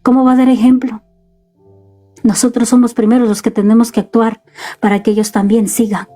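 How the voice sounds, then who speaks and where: A woman in middle age gives an exhorting home sermon from her son's bedroom, talking straight to parents. Her voice sits a little high and sounds mellow and dark in tone. Faint music plays behind her. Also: little pitch movement, fairly quick. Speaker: preacher.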